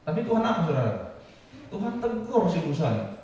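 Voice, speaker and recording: A man preaching a sermon, often rising to loud, high, emphatic lines and quizzing the congregation. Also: sing-song, a little fast, highs cut off. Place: large church hall. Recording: echoey hall from far off.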